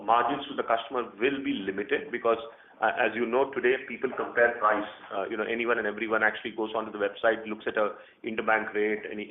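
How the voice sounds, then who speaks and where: A man speaking as a company executive on a conference call, explaining business points in a measured, hesitant way. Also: medium pitch. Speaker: company executive answering analysts. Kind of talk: earnings call answers, spontaneous business talk. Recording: narrow phone line, roomy echo.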